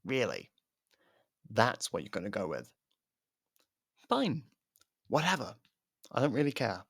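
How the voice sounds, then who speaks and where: A man playing a guarded, sarcastic, foul-mouthed convicted murderer in an ASMR roleplay audio drama, with a gravelly, creaky voice. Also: medium pitch, wildly swooping pitch, unhurried, a bit bright, dry recording, clean studio sound, heavily acted. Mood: sardonic needling. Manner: sardonic, foul-mouthed, needling.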